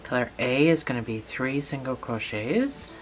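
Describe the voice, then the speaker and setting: A channel host talking through a lesson step by step, patient and repetitive, a little hoarse from a cold. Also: mid-range voice, lively intonation, moderate pace, faint music behind. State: has a cold, losing voice. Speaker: instructor. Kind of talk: step-by-step tutorial narration.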